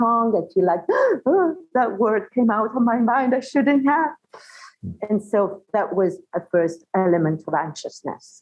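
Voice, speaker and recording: With music in the background, a woman in an Italian accent speaks at a fairly high pitch and a fairly slow pace with lively intonation. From Central Italy (Teramo). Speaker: yoga teacher. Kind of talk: interview conversation. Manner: halting.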